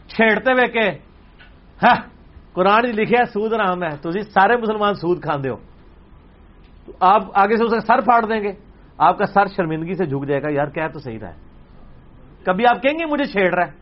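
A man's voice: sits high, muffled recording. A man answering audience questions as a religious scholar, arguing hard with rhetorical questions and quoted opponents. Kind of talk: impassioned religious Q&A talk.

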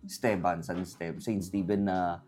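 Male, casual storyteller, rambling, animated quoting. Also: sits low, a little slow, faint music behind. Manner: rambling, animated retelling with quoted voices and code-switching. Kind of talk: casual chat.

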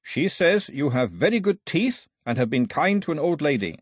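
A man voicing an earnest young girl who solemnly relays an old healer's words in measured phrases. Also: a little high, very animated, husky, dry recording, studio quality, pitched above the performer's own voice.

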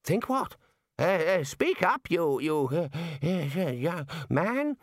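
A man voicing a frail, muddled old wizard with a wheezy, halting, quavering delivery in a fantasy storybook reading. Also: on the high side, sing-song, no echo, studio quality, voice pushed up, heavily acted. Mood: muddled, panicky.

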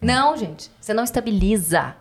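A Brazilian woman with a Brazilian Portuguese accent, a podcast guest telling animated, profane stories and acting out quotes. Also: medium pitch, brisk. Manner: animated, profane storyteller who acts out quotes. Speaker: podcast guest, bank teller. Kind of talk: casual podcast chat.

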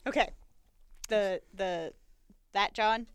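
A woman's voice: medium pitch, slow, smooth, dry recording, studio quality. A woman co-hosting a podcast, reacting casually to a recap in conversation. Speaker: podcast co-host.

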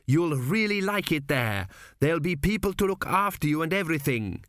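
An earnest, flustered young king, as a man puts him on, his voice lifted a little above the narrator's. He talks eagerly and a touch too loud. Dry studio sound. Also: on the high side, animated, moderate pace, dry recording, voice pushed up. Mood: loud, awkward. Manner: eager, a little raised and nervous.

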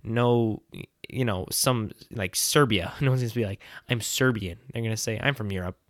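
A young man from the United States chats in a joking, sarcastic way and laughs through his points. His voice sits low. The sound is dry and close, with no room around it. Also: moderate pace, dry recording. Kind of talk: casual chat.

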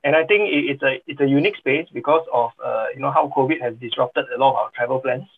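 A man hosting a business podcast, speaking haltingly with many "uh" and "you know". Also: mid-range voice, slight background noise. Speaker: podcast host. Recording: phone-like line with faint music.

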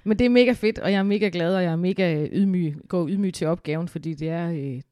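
A woman with a fairly low, mellow voice co-hosts a podcast while sick with a cold, talking casually from her living room. Her chatter is upbeat and rambling with fillers, captured in studio quality without any room sound.

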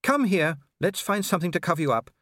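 A man's voice: high voice, big pitch swings, fast talker, fairly bright tone, no echo, clean studio sound, pitched above the performer's own voice. A man voicing a kindly, fussing noblewoman in an audiobook. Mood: tender.

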